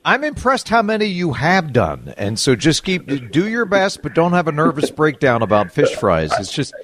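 A man hosting a radio show, talking casually in halting, drawn-out phrases. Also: a little high, huge pitch swings, a bit bright. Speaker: radio host.

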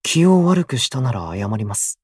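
An actor playing a gloomy, prickly, self-deprecating young station worker in a voice drama, with blunt, grumbling delivery. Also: male voice, mid-range voice, very animated, normal speed, darkish tone, husky, no room sound, studio quality. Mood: awkwardly frank. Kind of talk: Japanese voice drama acting.

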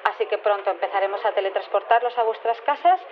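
An actress playing an apologetic, hesitant laboratory worker in an audio drama, leaving a voicemail with a Castilian Spanish accent. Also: female voice, medium pitch, fast. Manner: hesitant, explanatory. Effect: voicemail message. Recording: dull, noisy voicemail recording.

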